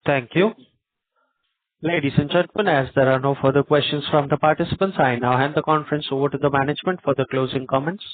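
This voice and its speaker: A man's voice: on the high side, quick pace. A man making formal, scripted announcements as a conference call operator. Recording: tinny telephone conference line.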